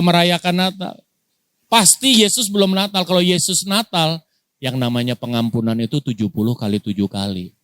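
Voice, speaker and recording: A man's voice: medium pitch, dry recording. A male pastor from Indonesia preaching a sermon, firing rhetorical questions at the congregation and dropping into casual slang. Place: church.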